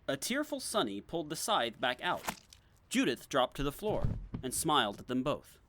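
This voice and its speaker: A man's voice: mid-range voice, huge pitch swings, normal speed, a bit bright. A man reading scripted dramatic narration as the narrator of a story. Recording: clear background noise, clicks.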